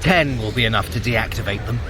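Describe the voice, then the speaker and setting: An actor playing a sly, haughty trickster god of magic in an audio drama, teasing and theatrical. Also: male voice, lowish voice, fairly quick, background noise, close to an everyday voice. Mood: focused, instructing. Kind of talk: audio drama fitness adventure acting.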